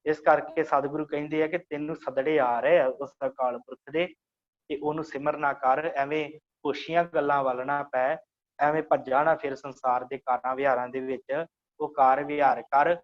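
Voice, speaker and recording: Male religious teacher, slightly high-pitched, slow explanatory delivery; muffled lo-fi audio. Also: fairly even intonation. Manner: explains slowly, repeats phrases to teach pronunciation. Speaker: Sikh scripture teacher. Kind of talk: online religious class.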